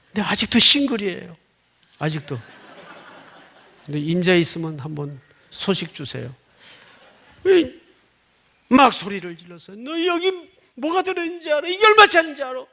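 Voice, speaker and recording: A middle-aged man delivers a sermon as a story, his voice high and gravelly. He swings from loud outbursts to soft, near-whispered lines, and keeps prompting the congregation for a response. His pitch rises and falls across a lively range. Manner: storytelling with dramatic swings, acting out shouts and whispers. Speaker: pastor.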